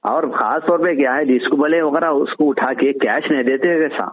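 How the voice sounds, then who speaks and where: A man's voice: medium pitch, brisk, breathy edge. A man with a Hyderabadi accent talking casually and giving his opinions on a phone call, explaining his points in repeated lists. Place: on a phone line. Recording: tinny narrowband phone call recording.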